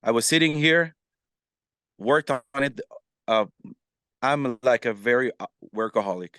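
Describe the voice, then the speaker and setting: A man with a smooth, resonant voice tells his story as a podcast guest. He talks in an animated, casual way, with plenty of fillers and restarts. The sound is dry and close, with no room echo. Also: mid-range voice, unhurried. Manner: animated, many fillers and restarts, acts out quoted messages. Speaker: podcast guest, musician and influencer.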